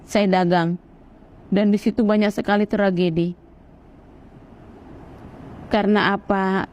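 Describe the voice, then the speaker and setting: A woman from Sumatra telling her story as a Muslim convert in an earnest, animated way, acting out other people's voices. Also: mid-range voice, slow pace, lo-fi sound. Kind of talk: personal testimony, storytelling.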